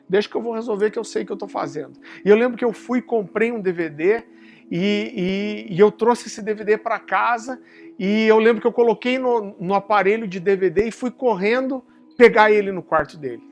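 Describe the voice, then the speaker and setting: A man with a Brazilian Portuguese accent preaching a sermon, telling warm family stories that he turns to a solemn point, often calling his listeners brother. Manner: drops low and soft for solemn points. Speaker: pastor.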